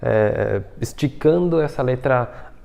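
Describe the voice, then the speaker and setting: Man, patient video-lesson teacher, gravelly fry in his voice, mid pitch. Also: animated, takes it slowly, warm tone. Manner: explains patiently, many fillers like "tá?" and "né?". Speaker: Mandarin teacher.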